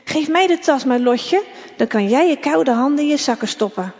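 A woman's voice: high voice, animated, normal speed, a little mellow, big-room sound, muffled recording. A woman doing a stubborn proud schoolboy. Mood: firm.

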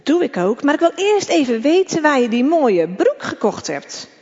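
A woman's voice: high voice, sing-song, moderate pace, a little mellow, long reverb tail, muffled recording. A woman voicing a mean schoolboy bully in a read-aloud story, taunting and mocking.

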